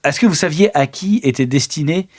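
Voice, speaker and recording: A man's voice: a little high, expressive, fairly quick, darkish tone. A man playing in an improvised role-play, bantering casually in a joking, rambling way.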